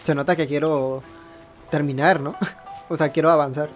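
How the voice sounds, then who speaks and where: A man's voice: on the high side, steady tone, a little fast. A man with a Mexican accent hosting a gaming video in casual, informal, self-deprecating chat. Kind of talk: casual let's-play chat. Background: game music.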